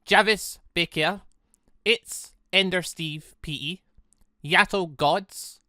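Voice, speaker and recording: A man hosting a gaming video, chatting casually in a rambling, excitable way as he comments on his playthrough. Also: high-pitched, slow pace, no echo, clean studio sound. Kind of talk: casual let's play commentary.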